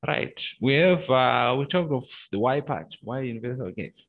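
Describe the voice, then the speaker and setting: A man giving a university lecture online, speaking haltingly with many pauses and filler sounds, captured in a screen recording of a video call. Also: mid-range voice, expressive, creaky. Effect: screen-recorded video-call audio. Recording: narrow, phone-like video-call audio.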